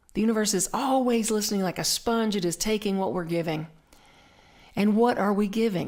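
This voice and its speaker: Southern US accent with ordinary pitch variation. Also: woman. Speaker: minister. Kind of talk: sermon. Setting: pre-recorded online service.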